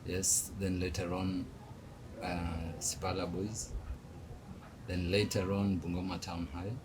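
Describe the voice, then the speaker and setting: Middle-aged man from Kenya, low voice, hesitant and soft-spoken, clear background noise. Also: flat delivery, slow. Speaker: guest. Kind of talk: casual interview.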